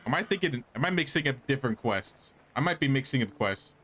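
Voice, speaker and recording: A man's voice: medium pitch, animated, brisk, fairly bright tone, husky. A man doing casual livestream gameplay commentary, chatting and thinking aloud as he plays. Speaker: game streamer.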